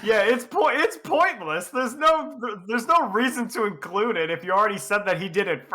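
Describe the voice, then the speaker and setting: A young man co-hosting a comic reading, riffing and joking in an animated, mock-indignant way. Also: high-pitched, moderate pace. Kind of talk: comic banter and dramatic reading.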